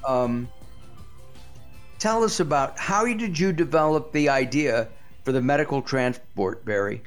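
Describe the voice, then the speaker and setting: A man hosting a radio health talk show, interviewing a guest with many fillers and pauses. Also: medium pitch, expressive, faint music behind.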